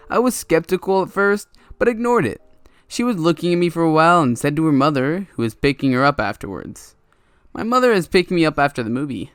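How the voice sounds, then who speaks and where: A man's voice: a little high, smooth, no room sound. A young man reading online stories aloud in a casual way, with laughing, stumbling asides. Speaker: reddit story narrator. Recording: soft music bed under voice. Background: quiet background music.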